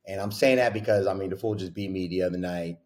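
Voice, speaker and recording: A man's voice: low voice, fast talker. A middle-aged man chatting casually as a coach in an interview, with slangy, bro-style talk and emphatic repetition. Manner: laid-back slangy bro talk, with "dude", "bruh", "man"; animated, repeats phrases for emphasis. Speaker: college basketball coach. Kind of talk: casual podcast interview chat.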